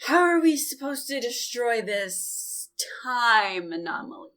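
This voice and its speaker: Woman playing skeptical girl in audio drama, animated, slightly high voice. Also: takes it slowly, heavily acted.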